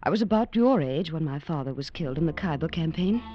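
A woman's voice: sits low, lively intonation, quick pace. An actress playing an earnest young English woman who narrates her story and speaks breathlessly, in 1940s radio acting. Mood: recounting. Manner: breathless, wide-eyed. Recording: muffled old radio broadcast with music.

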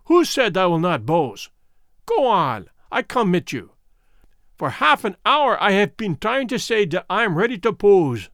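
A man's voice: high-pitched, sing-song, unhurried, a bit bright, dry recording, clean studio sound, full character voice. A man voicing a fierce little old German painter, blustering in broken English with a German accent, in an audiobook story. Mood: yelling, impatient.

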